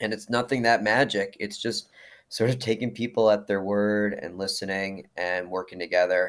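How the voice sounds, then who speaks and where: A man with an American accent has an unremarkable speaking voice, pitched fairly low. He talks at a moderate pace with fairly even intonation, and the recording is very clean with a silent background. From New York area. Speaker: bagel shop owner. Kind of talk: podcast interview.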